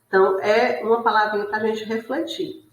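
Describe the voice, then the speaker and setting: A woman's voice: mid-range voice, flat delivery, moderate pace. A woman teacher giving an online class lecture, explaining patiently and often checking in with tag questions. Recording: roomy echo.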